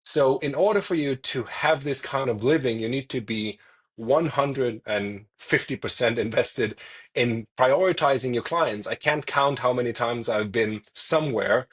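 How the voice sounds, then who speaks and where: Man, 30s, from Denmark, husky mid-pitched voice, journalist guest who thinks aloud and restarts phrases. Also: unhurried. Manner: thoughtful, frequent restarts, repeats words while searching for phrasing. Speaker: freelance journalist, podcast guest. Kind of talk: conversational interview answers.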